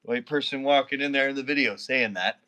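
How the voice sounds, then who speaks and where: Talking a little fast in a smooth, bright, forceful mid-range voice, a Canadian man in his thirties rambles drunkenly to his livestream viewers in casual chat, slurring and swearing all the while.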